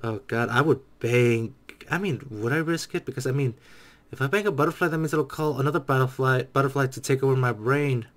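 A young man giving casual, excitable reaction commentary on a game, echoing the lines he hears. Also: mid-range voice, fairly quick. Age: young adult. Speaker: gaming reaction streamer. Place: small dark room indoors.

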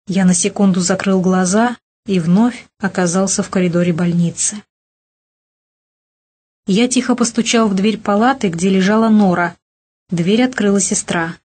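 A woman reading a novel aloud as an audiobook narrator, steady and measured. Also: mid-range voice, husky. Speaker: audiobook reader. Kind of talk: scripted narration.

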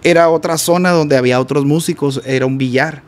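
A Mexican man with a voice pitched a little high tells a long story in a relaxed interview. He talks in an animated way, repeating words and sounding out notes with "ta ta". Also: fairly quick. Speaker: guest musician.

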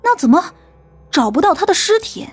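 A woman's voice: very high voice, sing-song, moderate pace, faint music behind. An actress playing an earnest, questioning young female police officer in an audiobook, with an urgent manner. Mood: disbelieving.

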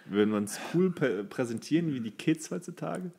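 A man's voice: medium pitch, animated, fairly quick, creaky, mellow, slightly rough. A man co-hosting a podcast, joking flippantly in casual comedic banter. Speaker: podcast co-host.

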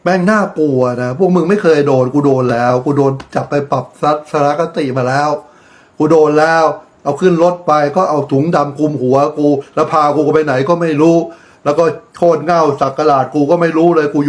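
The voice is a little high and brisk: a middle-aged man running his own channel with casual, profane political commentary. He swears freely, stays blunt and crude, and lectures with preachy advice.

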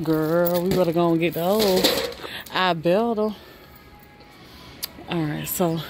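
A woman's voice: medium pitch, a little mellow. A woman vlogging while she shops in a large warehouse store, chatting to viewers and exclaiming over prices. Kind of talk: casual shop-with-me narration. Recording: noisy store background. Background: store noise.

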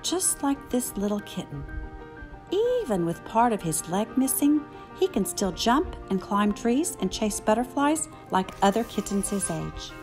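Picture book grandmother, read by a woman: reassuring, instructive, gently encouraging, faint music underneath. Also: mid-range voice, very animated, unhurried, voice pushed down. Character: kind, reassuring grandmother teaching her granddaughter.

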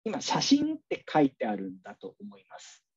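A man's voice: on the high side, wildly swooping pitch, moderate pace, breathy edge, dull audio. A man teacher giving a casual, chatty online workshop, walking the audience through a demo with many fillers.

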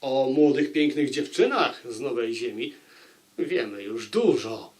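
A man giving an unscripted book review, speaking deliberately and repeating phrases for emphasis. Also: mid-range voice, lively intonation, a little mellow.

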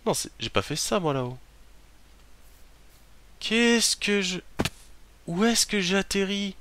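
Bright-voiced man narrating his gameplay. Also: high voice, lively intonation, slow pace, a little hiss or hum. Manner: chatty, talks to himself, bursts into startled shouts and swearing. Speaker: let's play host. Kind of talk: gameplay commentary.

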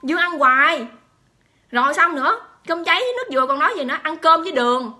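A woman's voice: high-pitched, lively intonation, quick pace, pushed and bright. A woman talking straight to her viewers. She keeps exclaiming and firing rhetorical questions at them. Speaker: vlogger addressing viewers. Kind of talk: emphatic monologue to camera.

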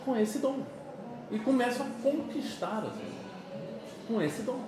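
A man in his fifties from Pernambuco, Brazil, telling stories in a chatty, animated way during an interview, often checking that his listener follows along. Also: very high-pitched, measured pace, heavy reverb, noisy background. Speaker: musician guest. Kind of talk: casual interview. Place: small office meeting room. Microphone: camera across the table.

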